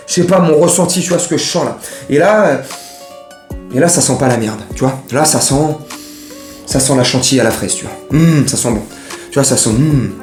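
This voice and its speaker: A man rambles through football transfer talk in loose slang, joking and speaking straight to his viewers. His voice sits a touch high. The room is echoey, with faint music behind him. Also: a little mellow. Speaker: football vlogger. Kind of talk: casual mercato chat to camera.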